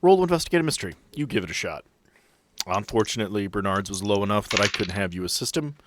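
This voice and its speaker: A man's voice: lowish voice, animated, fast talker, a bit bright. A man working as game master, improvising narration for a tabletop role-playing game.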